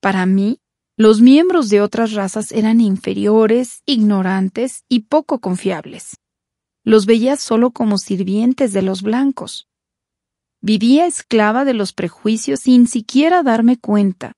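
A woman from South Africa reading her own personal testimony, sincere and measured. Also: fairly high pitch, mellow, no echo, studio quality. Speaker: testimony speaker.

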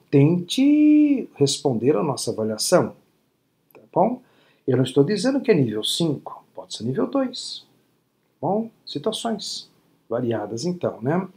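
A man in his sixties from Brazil giving a spiritist lecture over a video call from home, teaching in a measured way and often checking that listeners follow along. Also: mid-range voice, darkish tone, a little hiss or hum. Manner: teacherly, frequent tag questions. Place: home room at night. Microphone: laptop webcam video call.

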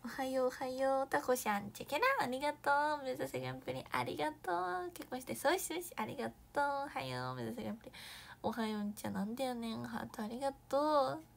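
Reading out comments on her morning live stream, a young woman talks casually at a quick pace in a high, creaky voice. Her thanks to viewers come out bubbly, though at times she slips into a soft whisper.

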